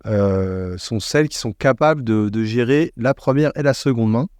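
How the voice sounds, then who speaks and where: A man speaking as an expert podcast guest in a conversational interview, explaining things in a measured way as he thinks aloud. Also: mid-range voice, darkish tone, no echo, studio quality.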